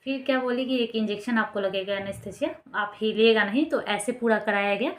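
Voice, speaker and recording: A woman's voice: mid-range voice, brisk, roomy sound. A young adult woman vlogger telling a personal story in a casual, rambling way with many fillers.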